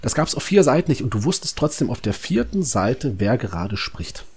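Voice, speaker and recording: A man talking casually and critically about a book as a podcast panelist, often halting and rephrasing. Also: medium pitch, sing-song, darkish tone, husky.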